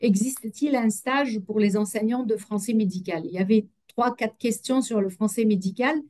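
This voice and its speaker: A woman's voice: medium pitch, normal speed, warm tone. A woman moderating an online webinar, reading out audience questions with frequent hesitations. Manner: hesitant, many fillers.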